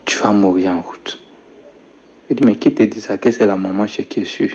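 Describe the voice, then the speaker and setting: A young man recounts his life story in a soft-spoken manner. His voice sits low and mellow, and it sinks quieter still when he quotes his grandfather. The recording is dull and lo-fi. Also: fairly even intonation, moderate pace, husky. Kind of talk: personal testimony.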